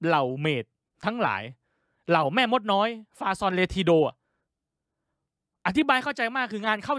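Male stand-up comic, crude and profane, very animated delivery. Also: high voice, moderate pace, dry recording, clean studio sound. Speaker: stand-up comedian. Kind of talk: stand-up storytelling.

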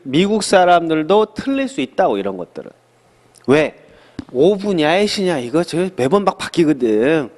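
A middle-aged man teaching an English lesson in a studio, lively and chatty, asking questions and answering them himself. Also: a little high, in a large hall. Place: small studio.

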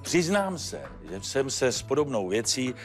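An actor playing a stern, formal judge who admonishes the parties with frequent hesitant fillers. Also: male voice, mid-range voice, very animated, faint music behind, close to an everyday voice. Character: stern measured male judge, controlled. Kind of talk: courtroom TV show acting.

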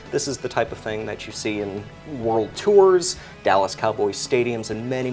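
A man in his forties gives an articulate, technical explanation as a product expert. His pitch is average for a man, and faint music plays behind him.

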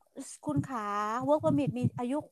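A middle-aged Thai woman hosts a casual livestream chat, ranting bluntly, swearing freely and stretching out her polite endings for emphasis. Her high-pitched voice is steady, slow and dark in tone, on a rough recording with slight background noise.

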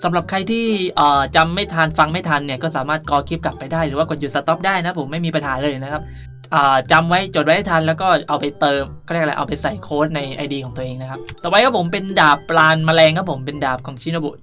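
A man's voice: on the high side, quick pace, sharp tone, faint music behind. A young man hosting a casual game tutorial, rambling on in a playful, chatty way. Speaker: gaming channel host.

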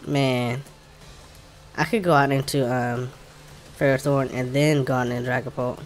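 Game music plays as a man with an African American English accent casually narrates his video game session, muttering and thinking aloud informally. His mid-range voice holds a steady tone at a normal speed.

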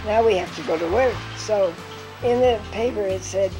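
An older woman recounting memories from her life in an interview, telling stories lively and acting out what people said. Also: medium pitch, normal speed, over loud music, low-quality recording. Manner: lively storyteller who acts out quotes with laughs.

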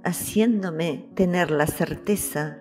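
A woman giving a calm, soft-spoken spiritual message and reciting devotional decrees. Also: lowish voice, slow pace. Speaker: spiritual channel host. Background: soft background music.

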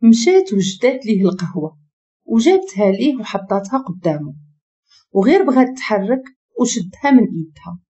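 A woman storyteller with a Moroccan accent narrates with lively, swinging intonation. Her voice is high yet mellow in tone. The audio is dull and lo-fi. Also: fairly quick.

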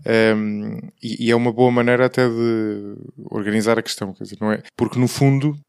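A man's voice: fairly low pitch, steady tone, a little fast, creaky, a little mellow, smooth. A man with a European Portuguese accent hosting a casual podcast conversation, asking probing questions and hedging his points. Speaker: podcast host.

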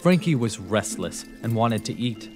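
A man reads a rhyming children's storybook aloud as narrator. His delivery is theatrical and rhythmic, with an animated, wide-ranging pitch. Music plays behind him. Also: normal speed.

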